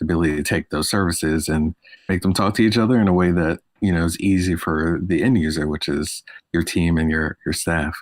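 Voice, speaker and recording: Talking very fast with a very deep, low pitch and fairly even intonation, this man has an East Coast US accent, and the recording is very clean with a silent background. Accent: smooth East Coast US. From US East Coast. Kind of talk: podcast interview.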